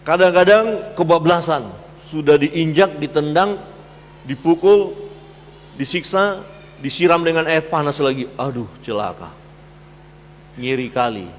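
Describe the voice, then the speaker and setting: A man preaching a sermon as pastor, swinging between loud emphatic peaks and low quiet asides. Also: expressive, unhurried, long reverb tail, slight background noise. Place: church hall.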